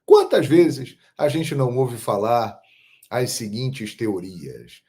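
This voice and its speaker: A man from Brazil hosting a football channel, telling stories in a measured, emphatic monologue. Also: mid-range voice, sing-song, dark tone. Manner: measured, storytelling, emphatic on key phrases. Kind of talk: casual monologue to camera.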